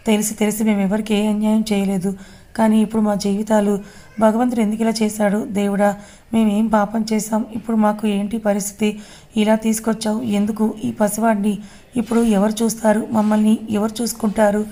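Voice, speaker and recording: A grieving older aunt lamenting in a storybook tale, as a woman narrator reads her. The voice stays flat and dark in tone. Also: mid-range voice, brisk, close to an everyday voice. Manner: plain read-out dialogue.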